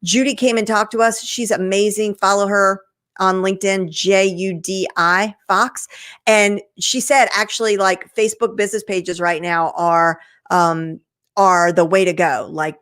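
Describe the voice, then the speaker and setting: A woman's voice: fairly low pitch, fairly even intonation, moderate pace, fairly bright tone. A woman hosting an online show, chatting casually and enthusiastically in a rambling, conversational way to her viewers. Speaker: host of an online marketing show. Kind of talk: casual chat recap to a live online audience.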